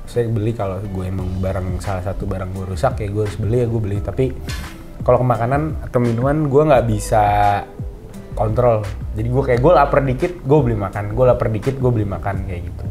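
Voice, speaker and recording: A man's voice: on the low side, brisk, mellow, soft background music. A young man, chatting casually and teasing his friends, laughing often. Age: young adult. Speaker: interviewee. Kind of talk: casual joking chat.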